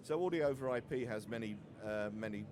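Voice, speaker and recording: A middle-aged man giving a technical slide presentation, halting and often repeating words as he goes. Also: medium pitch. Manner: hesitant, halting delivery with frequent stumbles and repeated words. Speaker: industry conference presenter. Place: open presentation area at a trade show. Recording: noisy busy trade show floor.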